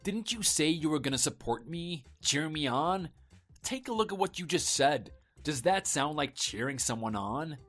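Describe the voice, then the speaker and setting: A man's voice: on the high side, lively intonation, moderate pace, fairly bright tone, soft background music. A man playing an evasive husband in a scripted online story drama, talking casually and persuasively to placate his wife. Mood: insistent, placating.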